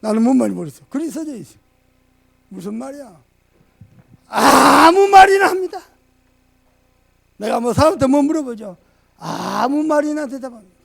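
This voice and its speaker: Male pastor, fervent sermon delivery; very high, gravelly voice; loud peaks and hushed asides. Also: very animated, moderate pace, long pauses. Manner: fervent preaching, swinging from shouts to quiet asides. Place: church sanctuary.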